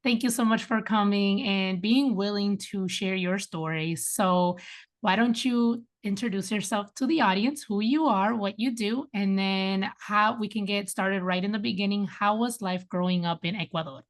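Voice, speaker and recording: A woman's voice: mid-range voice, normal speed, no room sound. A woman hosting an interview podcast, addressing listeners and guests.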